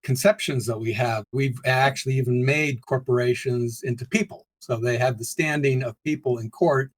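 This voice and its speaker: A man's voice: medium pitch, poor audio. An older man from the Pittsburgh area, a guest in a conversational interview, speaking reflectively and chuckling often between points. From United States, Pittsburgh area.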